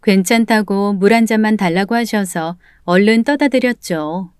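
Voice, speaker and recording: A woman's voice: mid-range voice, normal speed, smooth, dry recording, studio quality. A woman narrating a scripted family drama in first person, with emotional, indignant delivery. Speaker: narrator and lead voice actor. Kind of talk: scripted story narration with acted dialogue.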